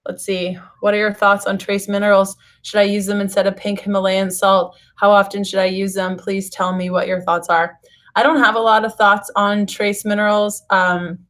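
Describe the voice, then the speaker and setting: Casual female livestream host, raspy from a lost voice, narrow pitch movement, chatty and informal with viewers. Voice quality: raspy, slightly hoarse voice. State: hoarse, recovering from voice loss. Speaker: nutrition author hosting a livestream. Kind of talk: casual live vlog chat to viewers. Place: hotel room.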